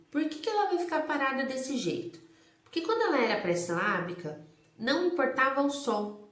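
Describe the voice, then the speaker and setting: A Brazilian woman teacher giving a lecture, explaining step by step, asking rhetorical questions and answering them, and stretching words out to stress their sounds. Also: fairly high pitch. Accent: Brazilian Portuguese. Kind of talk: recorded lecture on early literacy. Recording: roomy, echoey recording.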